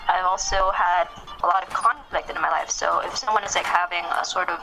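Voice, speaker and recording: A woman being interviewed as a podcast guest, speaking conversationally in a polite, reflective, measured way. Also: on the low side, fairly even intonation, creaky, over music, rough recording.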